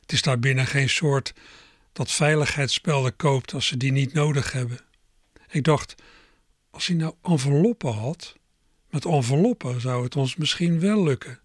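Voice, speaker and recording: Middle-aged male reader for a reflective first-person story, calm and measured, dry booth sound. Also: medium pitch, no room sound. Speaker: narrator. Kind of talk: storybook reading.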